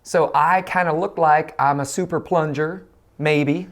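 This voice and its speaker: A man's voice: fairly high pitch, steady tone, unhurried. A man hosting a casual, chatty interview in a jokey, encouraging way. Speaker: interviewer, host.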